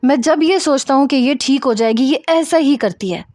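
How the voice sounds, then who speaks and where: A woman's voice: high voice, no echo, studio quality, voice pushed up, close to an everyday voice. Brief: woman reading a fed-up young husband, scolding, storybook drama. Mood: explaining. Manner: scolding, sharp. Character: young husband, angry and worn out.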